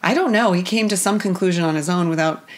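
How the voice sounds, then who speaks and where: A woman guest talking casually about her life in a kitchen, her voice a bit raspy, chatty and reflective with many fillers. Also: fairly low pitch, quick pace. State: slightly raspy voice. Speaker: guest, actress. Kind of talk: casual podcast chat.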